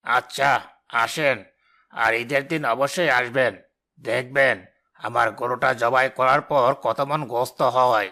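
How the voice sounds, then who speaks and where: A man's voice: mid-range voice, steady tone, unhurried, bright, forceful tone, slight background noise. An actor playing a boastful, show-off wealthy village man in a cartoon, speaking in a brash, domineering way. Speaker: rich villager. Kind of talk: cartoon voice acting.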